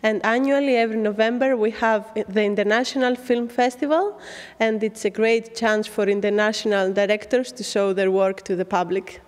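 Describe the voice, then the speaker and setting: A woman from Greece, speaking clearly and calmly in an interview. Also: medium pitch, moderate pace. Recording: long reverb.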